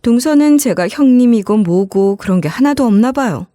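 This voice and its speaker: A woman's voice: on the high side, normal speed, no room sound. Woman narrating a first-person story. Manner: conversational, expressive.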